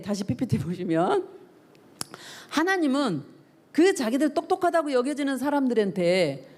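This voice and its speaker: At a church service, a middle-aged woman pastor delivers a youth sermon, putting questions to the young listeners and acting out the voices of those she quotes. Her voice is on the high side and a little mellow.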